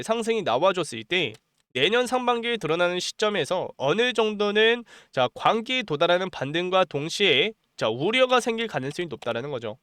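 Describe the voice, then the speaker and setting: A man's voice: sits high, a bit bright, clean tone, no echo, studio quality. A male stock market commentator with a cold, his voice a bit strained, pushing urgent buy-and-sell calls in a repetitive promotional monologue. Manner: pushy, repeats "자" as a filler, urgent promotional tone. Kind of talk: stock analysis monologue with sales pitch.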